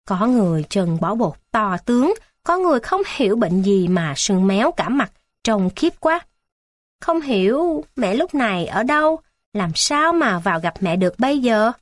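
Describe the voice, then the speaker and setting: A woman narrating a children's story in a steady, expressive reading voice. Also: mid-range voice, no echo, studio quality.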